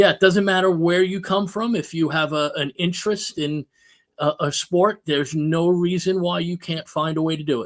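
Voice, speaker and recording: A man with a New York accent speaks in a high pitch. His pace is moderate. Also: ordinary pitch variation. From New York City (Brooklyn/Queens border). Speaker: optics industry executive. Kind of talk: interview.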